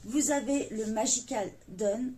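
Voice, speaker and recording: A woman hosting a coloring channel, talking to viewers in a hesitant, earnest way with many pauses and fillers. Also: fairly high pitch, warm tone, slight background noise. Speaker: YouTube coloring channel host. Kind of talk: casual video address to viewers.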